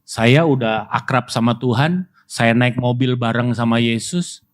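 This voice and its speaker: A man pastor preaches a sermon. He keeps it lively and conversational, often calling out to the congregation. His voice sits at an ordinary middle pitch. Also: measured pace. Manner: lively, conversational preaching with audience call-outs.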